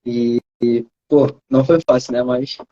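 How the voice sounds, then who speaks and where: Soft, mellow young Carioca man. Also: medium pitch, flat delivery, a little slow, lo-fi sound. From Rio de Janeiro, Brazil. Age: 20s. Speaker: student approved in medicine. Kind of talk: casual interview answers. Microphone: video call.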